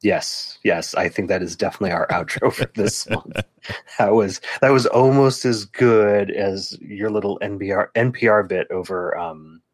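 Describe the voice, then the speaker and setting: A man hosting a casual podcast over a remote call, talking in a calm, soothing radio-style way. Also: lowish voice, moderate pace, few pauses, no room sound. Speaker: podcast host.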